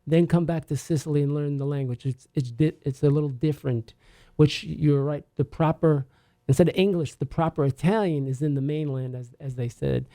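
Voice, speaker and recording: Role: radio co-host. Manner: joking, encouraging. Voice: mellow, dark, mid pitch. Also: fairly even intonation, fairly quick. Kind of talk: radio interview.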